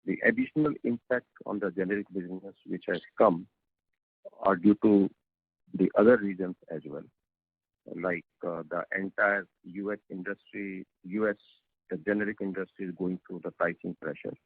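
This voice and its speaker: An Indian-accented man speaking as a company executive on a conference call, explaining in a measured, halting way with frequent hesitations. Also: sits low, breathy edge, dry recording. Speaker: company executive answering investor questions. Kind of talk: earnings call answer, explanatory. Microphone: telephone conference call. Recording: tinny, narrow phone conference line.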